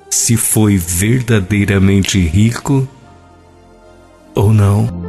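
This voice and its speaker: A man's fairly low voice at a very slow pace, with music in the background. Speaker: radio announcer and narrator of reflection messages. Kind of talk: narrated parable / motivational reflection.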